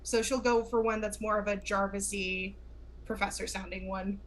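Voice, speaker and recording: A woman's voice: medium pitch, level tone, moderate pace, a little hiss or hum. A woman playing a tabletop game, chatting and narrating what her character does. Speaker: player. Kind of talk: tabletop role-play chat.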